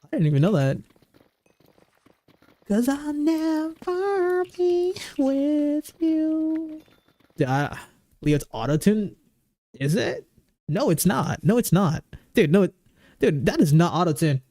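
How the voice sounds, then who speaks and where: A woman's voice: low-pitched, expressive, moderate pace, dark tone, no echo. A woman live streaming while gaming, chatting casually with viewers into a desk microphone and reading their messages aloud. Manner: chatty, reads chat aloud, keeps breaking into song. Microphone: desk microphone on an arm.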